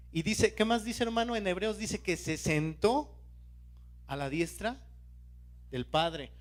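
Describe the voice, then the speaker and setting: Lay preacher, man, high voice, questions the congregation throughout a sermon. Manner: questions the congregation and urges them to stay alert; keeps calling out to his listeners.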